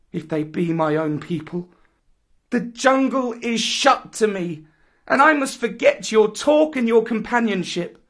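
Storybook jungle boy, voiced by a man: high, swooping, defiant, declaims in archaic phrases. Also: full character voice. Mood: proud, bitter. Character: defiant young jungle boy, proud and commanding. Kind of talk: dramatic storybook reading.

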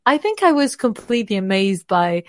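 A woman's voice: medium pitch, big pitch swings, fairly quick, no echo. Chatty Portuguese woman, dry close sound. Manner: chatty, laughs often, many fillers. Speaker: singer-songwriter guest. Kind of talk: casual interview chat.

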